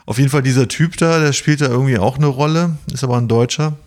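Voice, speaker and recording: Talking fast in a mid-range voice, a podcast co-host wanders through a lengthy anecdote packed with fillers. Now and then he mimics other people's voices, pitching his own up.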